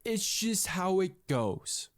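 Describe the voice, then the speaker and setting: Animated rambling man in his twenties. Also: sits high, slow. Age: 20s. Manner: rambling, animated, says "dude" a lot. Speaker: podcast host. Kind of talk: casual solo podcast monologue.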